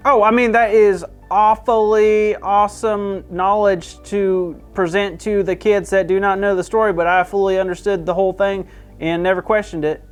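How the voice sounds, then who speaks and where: A woman playing an excitable, goofy young male host of a children's church show, with an over-the-top, bouncy delivery. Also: medium pitch, normal speed, clear, resonant tone, faint music behind, close to an everyday voice. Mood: bluffing. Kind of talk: kids' church comedy skit.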